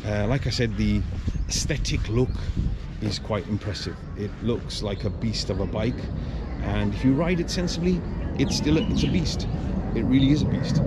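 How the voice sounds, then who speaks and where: A man with a lowish voice reviews his motorcycle out of doors in a casual, rambling way. He stops and restarts often and fills his pauses with ums. Loud outdoor noise runs under the recording. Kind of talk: casual spoken review to camera.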